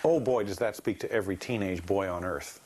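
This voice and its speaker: A man giving animated, enthusiastic commentary in a documentary interview. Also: deep voice, fairly quick.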